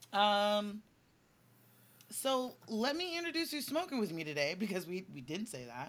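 A woman speaks loudly in an animated tone at a medium pitch. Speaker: podcast host. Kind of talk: casual chat. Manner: loud talker.

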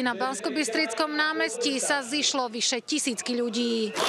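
A woman speaks at a moderate pace in a high, animated voice. Noticeable background noise runs beneath her. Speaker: TV news reporter and podcast host. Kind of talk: moderated comedic political talk show. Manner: animated, teasing.

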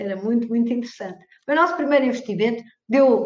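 A woman with an ordinary speaking voice talks with ordinary pitch variation. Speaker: business angel investor and lawyer. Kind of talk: casual interview.

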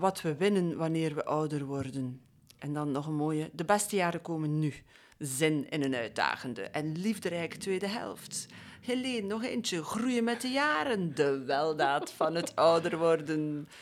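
Using lively intonation, a woman with a very deep, low pitch speaks at a fairly slow pace. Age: 50s. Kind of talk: casual chat.

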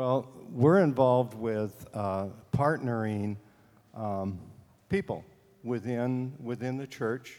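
The speaker talks at a very slow pace, with long, frequent pauses. The tone is dark and mellow, and the pitch varies in an ordinary way. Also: man, medium pitch for a man. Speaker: retired teacher and church deacon. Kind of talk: interview on stage. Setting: church. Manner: halting.

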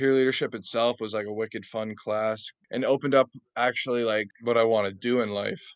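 In an American accent, a man talks at a fairly quick pace and medium pitch with fairly even intonation, an unremarkable speaking voice recorded with a dry, close sound, no echo and a quiet background. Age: young. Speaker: former student and college athlete. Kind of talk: interview.

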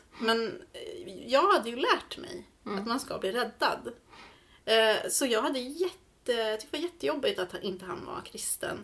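The speaker is a woman with a high voice. Her pitch rises and falls very widely. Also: moderate pace. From northern Sweden, Skellefteå area (Norrland coast). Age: 30s. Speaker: podcast host, former believer. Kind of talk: personal testimony in interview.

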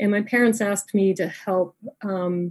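A woman with an American accent speaks in a somewhat breathy voice at medium pitch, with ordinary pitch variation. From Colorado. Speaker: recovering alcoholic sharing her story. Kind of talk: testimony.

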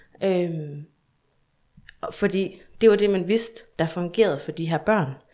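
At a fairly slow pace, a woman speaks with a fairly low pitch. Her pitch variation is ordinary. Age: 20s. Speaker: bereaved mother. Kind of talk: casual chat.

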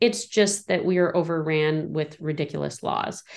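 A woman with an American accent, speaking at a moderate pace against a quiet background. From Northern California, Modoc County. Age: 40s. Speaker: outdoor apparel company owner and firearms instructor. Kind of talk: casual interview chat.

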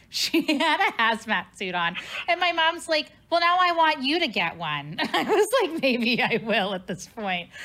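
With an American accent, a woman speaks fairly slowly in a raised, projected voice, high-pitched and bright and sharp in tone, with very wide pitch swings. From Cincinnati, Ohio, US. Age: 30s. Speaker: podcast host. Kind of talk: casual chat. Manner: animated.

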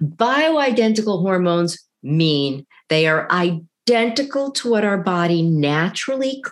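A woman's normal speaking voice, fairly low in pitch, with lively intonation and a fairly slow pace. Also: quiet background. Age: 50s. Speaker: gynecologist. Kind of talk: interview.

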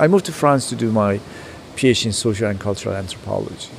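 A man speaks at a fairly quick pace with a Persian accent. His pitch variation is ordinary, and there is noticeable background noise. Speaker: museum curator and anthropology professor. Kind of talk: interview. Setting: at the exhibition.

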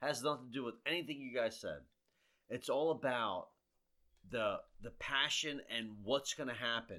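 Bright and sharp in tone, a man speaks at a medium pitch and moderate pace with ordinary pitch variation and long, frequent pauses. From US, Delaware (Indian-American). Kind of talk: casual chat.

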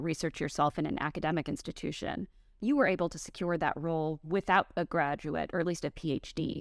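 A plain, everyday voice, moderate in tempo, captured in a very clean recording against a silent background. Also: woman. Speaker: podcast host and PhD student. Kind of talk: interview conversation.

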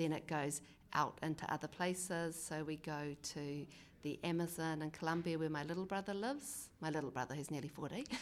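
A woman with a New Zealand accent, very deep and low-pitched, at a fairly quick pace with ordinary pitch variation, on a very clean recording with a silent background. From New Zealand, Wellington. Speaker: writer. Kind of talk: interview conversation. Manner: hesitant, many ums.

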